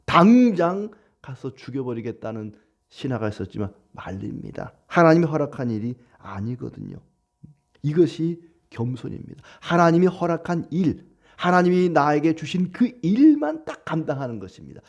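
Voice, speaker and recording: A man preaching a sermon as a pastor, animated, with acted quotes. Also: fairly high pitch, normal speed, muffled recording.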